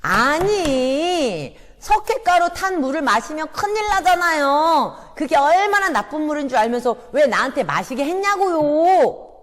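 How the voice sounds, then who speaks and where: A woman's voice: high-pitched, big pitch swings, normal speed, in a large hall, voice pushed up. Woman doing a sassy tomboy girl, Thunder. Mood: shouting. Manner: whiny, loud and mocking.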